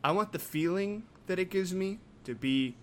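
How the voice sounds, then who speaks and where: A man's voice: high-pitched, expressive, normal speed, slight background noise. A man in casual comedic chat, rambling and mock-outraged.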